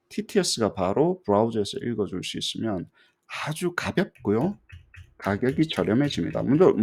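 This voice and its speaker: A man's voice: mid-range voice, a little mellow. A man giving a conversational recorded lecture, often checking for agreement and mixing English terms into his speech. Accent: Korean.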